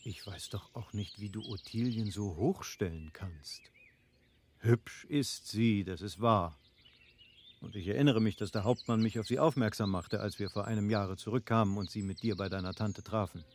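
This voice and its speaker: An actor playing an eager, candid middle-aged landed husband in a literary radio drama, speaking formally and persuasively. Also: male voice, lowish voice, moderate pace, a little mellow, a little hiss or hum, close to an everyday voice. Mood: offhand, candid.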